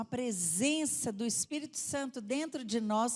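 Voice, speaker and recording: A woman's high voice in a Minas Gerais accent, lively in intonation and very slow in pace, on a very clean recording with a silent background. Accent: mineiro. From Minas Gerais, Brazil (Belo Horizonte). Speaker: pastor. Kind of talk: sermon. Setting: church.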